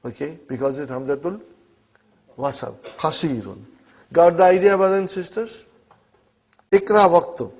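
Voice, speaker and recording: A man's voice: fairly high pitch, steady tone, moderate pace, pauses often. Lo-fi recorded Arabic teacher, man. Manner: checks in often with "huh?" and "brothers and sisters". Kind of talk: classroom grammar lesson. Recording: dull lo-fi classroom recording.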